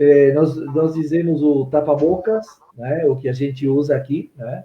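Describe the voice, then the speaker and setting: A man's pitch runs fairly high. He speaks at a fairly slow pace with fairly even intonation. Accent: Spanish. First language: Spanish (speaking Portuguese). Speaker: spiritist centre leader. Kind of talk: live radio interview. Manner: halting.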